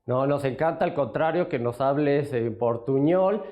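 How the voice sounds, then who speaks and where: A man's voice: mid-range voice, unhurried, lo-fi sound. A man hosting a studio interview, introducing and questioning his guest.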